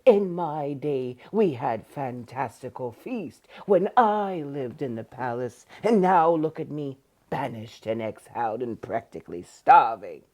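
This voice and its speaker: Trans woman voicing a scheming sea witch, older female cartoon villain, slow drawl, cackling menace. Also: animated, a little mellow, full character voice. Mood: mocking. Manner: low, sneering and theatrical, with cackling laughs.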